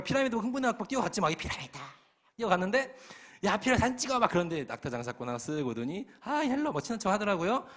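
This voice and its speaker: A man's voice: a little high, fairly bright tone. A young male pastor telling a funny story in a youth sermon, acting out the voices of the people in it. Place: church hall.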